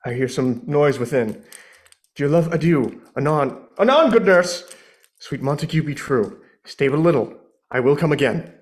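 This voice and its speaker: A man's voice: a little high, animated, normal speed, close to an everyday voice. A man playing Juliet as an earnest, lovestruck young woman in a live amateur Shakespeare reading, with theatrical verse delivery. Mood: urgent, loving.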